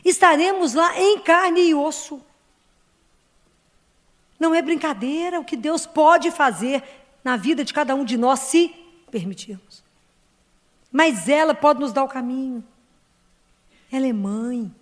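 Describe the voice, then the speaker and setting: A woman's voice: high voice, a little slow, pauses often, long reverb tail. A woman from Brazil, leading a prayer group in an earnest devotional talk, speaking directly to her listeners.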